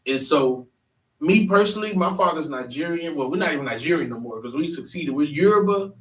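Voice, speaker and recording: A man's voice: on the high side, animated, brisk. A man hosting a church panel discussion, talking earnestly and emphatically, often restarting his sentences. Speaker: panel host. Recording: echoey room, mic at a distance.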